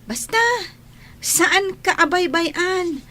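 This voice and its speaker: Woman doing a little girl, high voice, slow and soothing, looks after her blind sibling. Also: bright, forceful tone, exaggerated voice. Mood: reassuring. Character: young girl, caring older sibling of a blind child.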